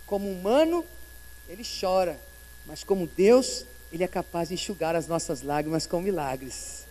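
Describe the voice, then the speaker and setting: A Brazilian man preaches with a notably high voice in a church sanctuary. His delivery swings from hushed to fervent. A long hall reverb trails every phrase. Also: animated, moderate pace. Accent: Brazilian Portuguese. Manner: impassioned, swinging between soft and loud. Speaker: guest pastor. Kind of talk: sermon.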